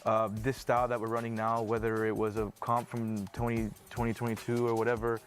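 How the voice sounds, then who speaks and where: Man, head coach, lowish flat voice, measured answers, faint music behind. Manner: measured, steady, with fillers. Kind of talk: interview answer.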